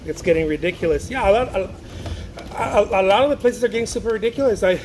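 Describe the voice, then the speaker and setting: A man's voice: high-pitched, quick pace, a little mellow. A man from Mexico, an artist chatting casually on a livestream, rambling with many restarts and reading viewer comments aloud. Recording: noticeable background noise.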